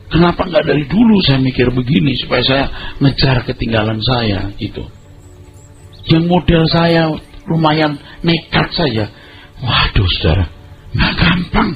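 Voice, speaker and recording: A middle-aged male pastor preaching a sermon, emphatic and conversational, with colloquial asides to the congregation. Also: on the high side. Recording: dull lo-fi audio with music behind. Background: background music.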